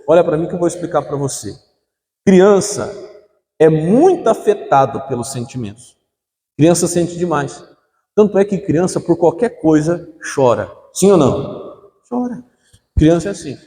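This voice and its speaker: In an echoey church hall, a young pastor from Brazil delivers a sermon in a warm, fairly high-pitched voice. Preaching call-and-response style, he calls out questions and has the congregation fill in the words.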